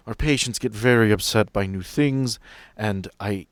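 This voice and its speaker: A man voicing a composed, formal female sanatorium administrator in a tabletop game, polite and measured with slight hesitation. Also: on the low side, no room sound, lightly acted. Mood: polite, gracious.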